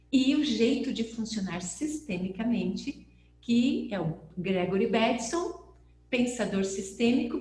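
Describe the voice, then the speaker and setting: A Brazilian woman teaching a lecture with lively storytelling, who acts out the voices of the people she quotes. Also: mid-range voice. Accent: Brazilian Portuguese. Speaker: NLP teacher. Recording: echoey room with faint hum.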